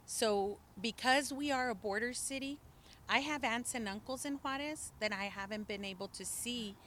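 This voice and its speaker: A woman's voice: fairly high pitch, normal speed, fairly bright tone, a little hiss or hum. A middle-aged woman from a border city, a native Spanish speaker, speaking earnestly and emphatically as an interview guest outdoors. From El Paso, Texas border region. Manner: earnest, emphatic, some restarts. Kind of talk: impassioned political testimony.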